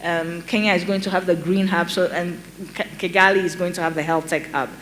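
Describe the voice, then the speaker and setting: A middle-aged woman from Ghana with a Ghanaian accent, explaining a program on a conference panel in a measured way, with many ums and restarts. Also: on the low side, steady tone, fairly bright tone, slight background noise, low-quality recording. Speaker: panel speaker.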